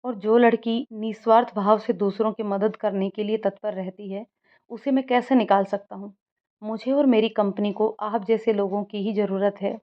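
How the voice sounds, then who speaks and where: A woman's voice: medium pitch, steady tone, normal speed, natural voice. A woman voicing a young male company boss, strict but fair, in an earnest storybook reading, on a dull lo-fi recording. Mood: apologetic. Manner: earnest, apologetic. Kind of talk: storybook voice acting.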